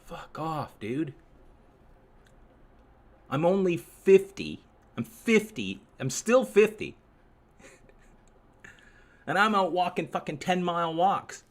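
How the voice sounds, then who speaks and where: A man's voice: high voice, lively intonation, takes it slowly, pauses often. Profane, grumbling streamer man. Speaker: livestream host. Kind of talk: rambling live-stream chat to viewers.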